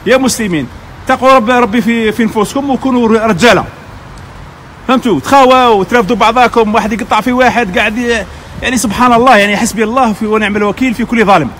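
Middle-aged Algerian man with an Algerian Arabic accent; rapid, impassioned community appeal, recorded outside with light street noise. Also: extremely high pitch, fairly bright tone. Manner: heated, exhorting, repetitive. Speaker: community vlogger. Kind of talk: impassioned advice monologue.

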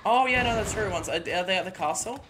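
A man's voice: high voice, fast, background noise. A man streaming live and chatting casually with friends, tired and swearing, with a mumbling delivery. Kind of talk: casual chat.

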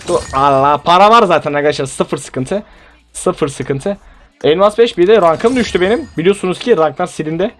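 A young man commentates on gameplay in a casual, animated way, pleading with the game and exclaiming when things go wrong. His voice sits on the higher side. Soft music plays underneath. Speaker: gaming YouTuber.

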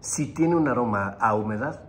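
A man's voice: mid-range voice, animated, normal speed, slight background noise. A man co-hosting a wine segment, explaining in a teaching way and addressing viewers directly. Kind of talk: explanatory wine tasting talk.

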